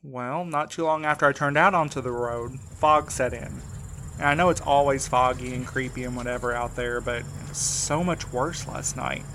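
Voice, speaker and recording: A man's voice: mid-range voice, normal speed, fairly bright tone, slight background noise, close to an everyday voice. A man playing an exhausted, wry mail carrier in a naturalistic audio drama, talking in a weary, dry way. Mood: recounting, uneasy. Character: battered, exhausted young male mail carrier, wry and evasive.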